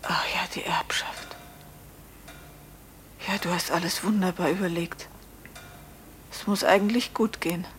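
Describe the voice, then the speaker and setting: A woman playing an anguished, guilt-haunted innkeeper's wife in a radio play, brooding and pious, halting and breathy. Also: on the low side, fairly even intonation, in a whisper, close to an everyday voice. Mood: anxious, despairing. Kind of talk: German radio play acting.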